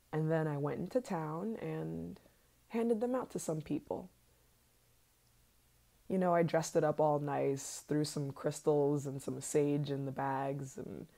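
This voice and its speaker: Low, sweet, eerily obsessive yandere woman acted out. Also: creaky, warm tone, heavily acted. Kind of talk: ASMR role-play, addressed to the listener.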